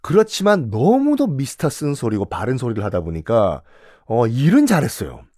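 A man's voice: mid-range voice, normal speed, no echo, clean studio sound. A man telling history in a casual, playful podcast lesson, acting out quotes as he goes. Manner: playful, animated, acts out quotes.

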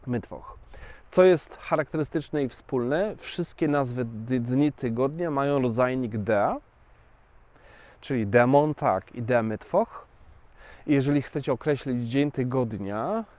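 A language teacher whose first language is Polish speaks in a medium-pitched, slightly mellow voice, recorded dry. He gives a casual explanatory lesson, chatty, slow and deliberate, talking directly to his viewers.

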